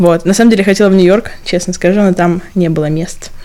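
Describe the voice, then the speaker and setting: Talking at a very fast pace, a woman uses a medium pitch and fairly even intonation. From Stavropol, southern Russia. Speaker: software engineer. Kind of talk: interview. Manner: hesitant, many fillers.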